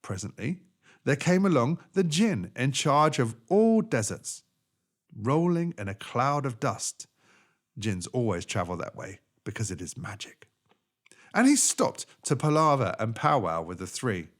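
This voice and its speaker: A man narrating a children's story from a script as a storyteller, with expressive, deliberate theatrical phrasing. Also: mid-range voice.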